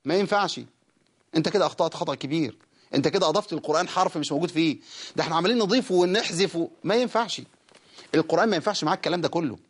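Egyptian male Quran teacher, slightly high voice, firm corrections, slow melodic chanting of verse. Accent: Egyptian Arabic.

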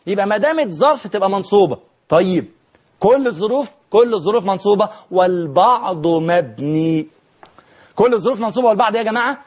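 A man with an Egyptian accent teaching grammar on a broadcast lesson, asking questions and answering them himself with playful scolding. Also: high-pitched. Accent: Egyptian Arabic.

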